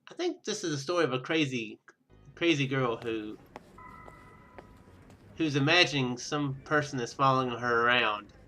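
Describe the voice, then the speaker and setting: A man giving casual, animated game commentary, with joking asides and bits of dialogue read aloud. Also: medium pitch, moderate pace, long pauses. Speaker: gaming video host. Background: game music.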